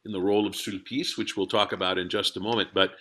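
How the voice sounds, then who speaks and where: A man hosting an interview, asking measured, courteous questions. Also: sits low, steady tone, pushed and bright. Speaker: radio interviewer host.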